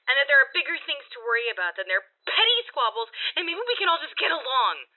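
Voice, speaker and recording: A feisty old woman in a radio drama. Her voice is high and very animated, with an exasperated, scolding manner. It comes through thin and tinny, as over a radio. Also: quick pace. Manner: scolding, emphatic. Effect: radio transmission filter. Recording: tinny narrow-band radio sound.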